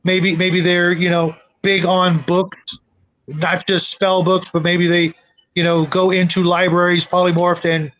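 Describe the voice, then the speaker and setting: Male panel host, noticeably high voice, casual and explanatory, slightly dull low-fidelity sound. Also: flat delivery, unhurried, a bit bright. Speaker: host of a tabletop gaming panel. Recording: dull lo-fi audio.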